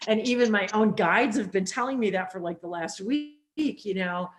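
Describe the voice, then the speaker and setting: Lady host on a spiritual show, rambly, lots of "like" and "um", middle pitch. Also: normal speed. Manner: rambling, animated, lots of fillers. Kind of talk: casual spiritual interview chat.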